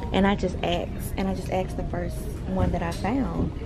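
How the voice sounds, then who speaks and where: A woman speaks at a moderate pace while clear music plays in the background. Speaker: vlogger. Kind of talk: casual vlog chat. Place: shop. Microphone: phone near.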